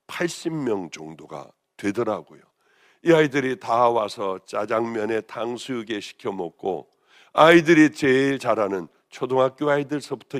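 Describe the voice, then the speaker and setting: Hoarse woman pastor preaching with passion. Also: very deep voice. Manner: impassioned, swinging between raised exclamations and hushed near-whispers. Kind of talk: sermon.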